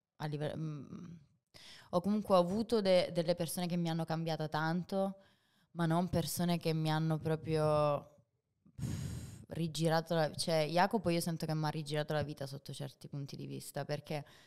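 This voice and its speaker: A woman talks at a moderate pace with long, frequent pauses. Her pitch sits fairly low. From Sicily (Palermo). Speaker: singer. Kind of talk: casual interview chat. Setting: studio. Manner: animated.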